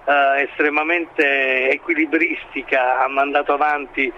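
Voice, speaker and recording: A man giving expert current-affairs analysis in an interview, speaking in a halting, hesitant way as he builds his points. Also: mid-range voice, level tone, highs cut off, a little hiss or hum. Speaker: expert commentator being interviewed.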